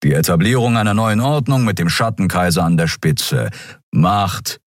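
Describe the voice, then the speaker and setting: A man's voice: deep voice, moderate pace, no room sound, clean studio sound. A man voicing a grim lion-headed male warrior who talks in terse growls.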